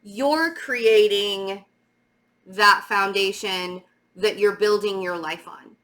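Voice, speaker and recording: Reading tarot for her viewers, this middle-aged woman stammers slightly and moves haltingly through a spiritual reading, casual yet emphatic, doubling up words to stress them. Her voice sits mid-range, pushed and bright, and the audio quality is poor.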